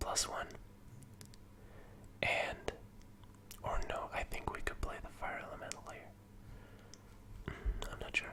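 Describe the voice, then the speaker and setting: Whispering at a fairly slow pace, someone can be heard through noticeable background noise. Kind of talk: ASMR gameplay commentary, whispered. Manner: whispered, soft, relaxing.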